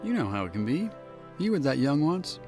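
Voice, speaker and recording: A man's voice: on the high side, very animated, a little fast, dark tone, soft background music. A man playing a genial wealthy husband and father in an audio drama, drawling, urbane and placating.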